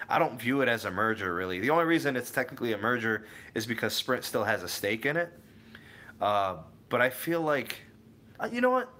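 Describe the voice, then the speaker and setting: A man's voice: mid-range voice, big pitch swings, brisk, sharp tone. A young man from the Cleveland area casually hosting a tech livestream, answering viewers by name and often backtracking mid-thought. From Cleveland area, USA. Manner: rambling, self-correcting, answers viewers by name. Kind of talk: casual live chat reading viewer comments.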